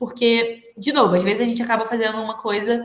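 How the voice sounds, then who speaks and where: This woman speaks with a high pitch. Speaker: trainer at a student organization. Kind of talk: training session. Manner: fast.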